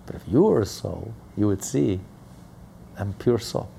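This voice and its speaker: A man voicing an elderly Hasidic rebbe who speaks with a Polish Yiddish accent and gently teases his son. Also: lowish voice, sing-song, a little slow, vocal fry, a little hiss or hum, heavily acted. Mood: amused.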